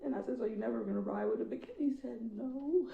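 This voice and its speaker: A middle-aged mother of a victim gives a raw, emotional impact statement in court, addressing the defendant directly. Her voice is on the high side, quick and fry-laden, captured with phone-quality sound from far off in an echoey courtroom.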